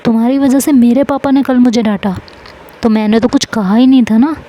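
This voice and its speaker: Woman doing a hot-headed schoolgirl in a storybook, highish mellow voice, snapping threats. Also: fairly even intonation, natural voice. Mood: angry. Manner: shouting insults, quick-tempered.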